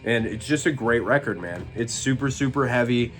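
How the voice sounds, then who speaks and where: A man casually reviewing albums from his collection, relaxed and rambling with plenty of fillers. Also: medium pitch, moderate pace, faint music behind. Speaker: metal collection vlogger.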